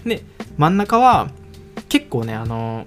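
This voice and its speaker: A young man from Osaka with a Kansai accent, co-hosting a casual couple podcast in a relaxed, rambling way with lots of fillers. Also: on the high side, takes it slowly, soft background music. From Osaka, Japan. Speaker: podcast co-host.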